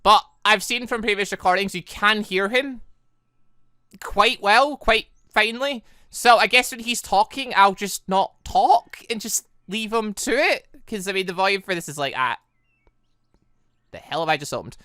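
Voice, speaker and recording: A man's voice: high-pitched, moderate pace, sharp tone, clean tone, dry recording, studio quality. A man giving casual, rambling, exclamatory let's play commentary as a gaming host.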